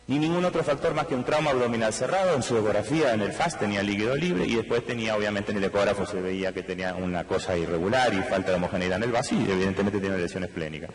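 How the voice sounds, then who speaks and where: An Argentine man gives a medical lecture in rapid, rushing Spanish, with a fairly low voice. He talks straight to the audience and asks rhetorical questions along the way. His voice echoes through a large hall with a long reverb. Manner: explanatory, addresses audience directly with rhetorical questions. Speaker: anesthesiologist lecturer.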